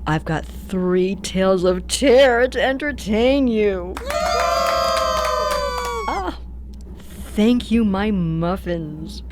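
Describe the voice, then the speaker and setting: A woman's voice: medium pitch, lively intonation, over a noisy crowd, very noisy. A woman playing an old grandmotherly hostess who tells spooky stories in a radio play, theatrical, doting and sinister. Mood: sweetly menacing. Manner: theatrical, drawn-out, cooing.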